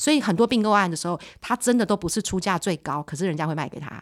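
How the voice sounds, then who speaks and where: Speaking very fast with lively intonation, a woman at a medium pitch comes through on a very clean recording with a silent background. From Taipei, Taiwan. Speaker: financial news reporter co-hosting podcast. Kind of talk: casual chat.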